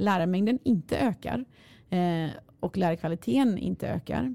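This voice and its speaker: The dark, mellow tone carries lively intonation at a moderate pace on a very clean recording with a silent background. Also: woman. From Gothenburg, Sweden, then raised in USA. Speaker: social impact company strategist. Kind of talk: interview. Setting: hotel room.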